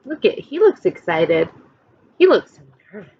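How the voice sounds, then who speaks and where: A woman's voice: mid-range voice, very animated, normal speed, gravelly, highs cut off, a little hiss or hum. A woman teacher reading a children's picture book aloud expressively, stopping to explain and put questions to young listeners.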